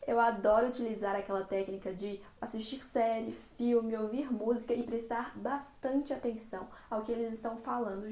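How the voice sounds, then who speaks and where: A woman with a Brazilian Portuguese accent giving language-learning tips in a chatty, expressive tutorial vlog. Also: a little high, gravelly. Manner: chatty and expressive, acts out little dialogues. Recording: roomy, echoey room.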